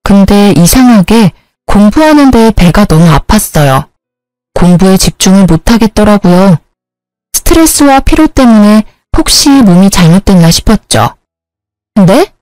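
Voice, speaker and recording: A woman narrating a family story in a calm, confiding way. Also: mid-range voice, normal speed, no room sound, faint music behind, rough recording.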